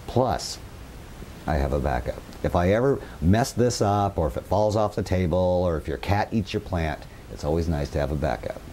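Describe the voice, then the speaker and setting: A middle-aged man with a very low, dark voice teaches gardening while ill with a fever, stumbling over his words now and then. He talks bluntly and folksily to his viewers. A faint low rumble sits under his voice on the patio. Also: lively intonation, normal speed. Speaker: gardening channel host. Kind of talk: casual gardening tutorial. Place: home patio garden among potted plants.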